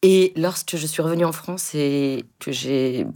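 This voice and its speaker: A woman with a very low voice speaks as a translator guest in an interview. She answers thoughtfully and earnestly, pausing often as she weighs her words. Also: dark tone. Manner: thoughtful, earnest, with frequent pauses.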